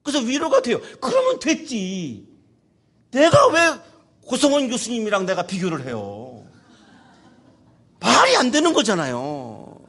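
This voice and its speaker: A male pastor preaching a sermon at a university chapel, animated and playful, acting out quotes and calling on listeners. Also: high-pitched, measured pace, long pauses, slightly rough.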